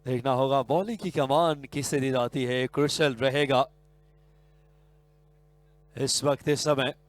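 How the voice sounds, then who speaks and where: A man with a Hindi accent giving excitable live cricket commentary, his voice jumping up on big shots. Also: medium pitch, measured pace, dry recording. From India.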